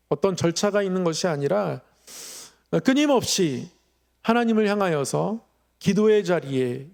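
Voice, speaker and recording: A middle-aged man preaching a sermon as a pastor, explaining in a measured, polite way. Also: high-pitched, gravelly, darkish tone. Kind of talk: Friday evening sermon.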